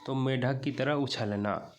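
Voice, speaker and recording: Slow, patient teacher. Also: male voice, medium pitch, slight background noise. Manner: slow and patient, reads English lines very slowly, ends points with a rising "theek hai". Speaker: school English teacher. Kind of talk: classroom lesson explaining a poem.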